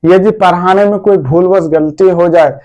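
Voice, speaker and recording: A man's voice: high voice, fairly even intonation, measured pace, darkish tone. A man teaching a casual grammar lesson, talking to his pupils in a fatherly, repetitive way and asking and answering his own questions. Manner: fatherly, repetitive, addresses students as dear children.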